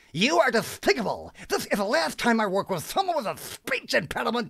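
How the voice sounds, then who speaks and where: A man speaks in a put-on character voice. His pitch is extremely high and his pace fairly quick. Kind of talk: interview answer. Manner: haughty, scornful.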